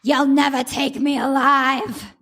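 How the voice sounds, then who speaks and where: A woman's voice: high-pitched, flat delivery, slow, fairly bright tone, soft background music, heavily acted. A woman voicing a villainous, folksy male conspirator with a Texas drawl in a comedic radio play. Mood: defiant.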